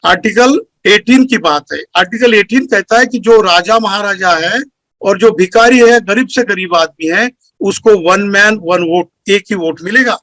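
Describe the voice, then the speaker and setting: A man's voice: sits high, moderate pace, sharp tone, no room sound. A man giving a formal speech to a gathering, earnest and lecturing, going through his points one by one. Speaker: speaker at a community meeting.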